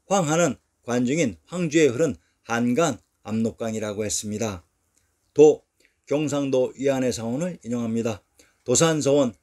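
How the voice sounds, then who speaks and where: A man with a medium-pitched voice reads a scripted history narration, keeping an even, measured delivery as he goes through lists one by one.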